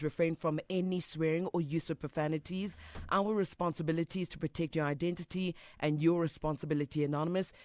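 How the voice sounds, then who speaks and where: A man hosting a radio advice show, reading out the house rules in a formal, steady way. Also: on the high side, dry recording. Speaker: radio host.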